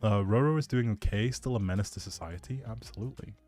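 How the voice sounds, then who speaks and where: Low, mellow man chatting on stream. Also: fast talker. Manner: rambling, jokey, playful. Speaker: streamer, host. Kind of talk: casual livestream chat with viewers. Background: background music.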